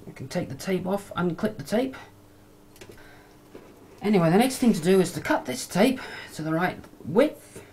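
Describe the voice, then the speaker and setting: A woman giving a casual hands-on demonstration with a hesitant, halting delivery, picked up on a camcorder microphone. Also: medium pitch, dark tone. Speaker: hobbyist video maker, demonstrator. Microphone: camcorder microphone near the bench. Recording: noisy amateur camcorder sound.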